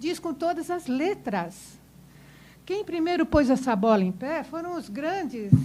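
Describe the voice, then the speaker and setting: A woman at a very slow pace, with very wide pitch swings. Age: 60s. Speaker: tax lawyer. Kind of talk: public comment at workshop. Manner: halting, with repetitions.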